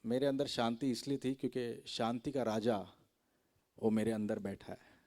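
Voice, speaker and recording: A man's voice: mid-range voice, fairly even intonation, normal speed, darkish tone. A man giving a chatty testimony to a youth gathering, telling his story and often checking in with his listeners. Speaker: guest speaker sharing a testimony.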